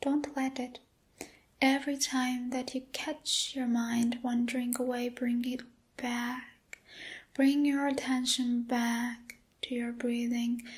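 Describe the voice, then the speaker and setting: Against a quiet background, a woman with a high pitch speaks in a soothing, gentle tone with monotone, flat intonation. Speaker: ASMR creator and meditation guide. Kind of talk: guided meditation. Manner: slow, smooth, soothing, with gentle paced counting. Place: home room. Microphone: studio mic.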